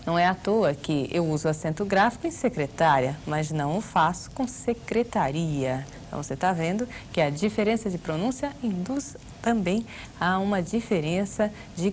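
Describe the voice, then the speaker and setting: Low-voiced Brazilian woman teaching grammar. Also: darkish tone, slight background noise. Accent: Brazilian Portuguese. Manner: didactic, explaining with rhetorical questions. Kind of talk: video lesson for exam prep.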